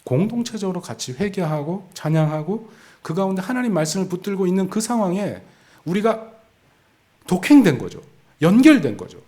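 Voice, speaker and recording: A man's voice: on the high side, warm tone. Guy pastor preaching, storytelling, does little voices for people, laughs at himself. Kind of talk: sermon with personal testimony.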